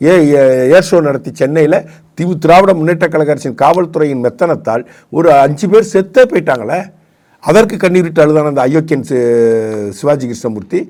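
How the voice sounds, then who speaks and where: A man's voice: a little high, moderate pace, mellow. A man, giving combative political commentary on a talk show and firing off repeated rhetorical questions.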